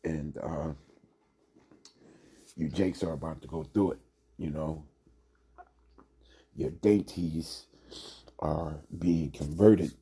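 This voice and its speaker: Deep gravelly man with a cold. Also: dark tone. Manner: drawling, many fillers. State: hoarse with a cold. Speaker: religious teacher. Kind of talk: informal religious lesson.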